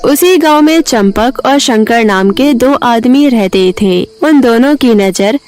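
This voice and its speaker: A woman's voice: fairly high pitch, animated, slow, a little mellow, soft background music. A woman storyteller reading a scripted children's story as narrator.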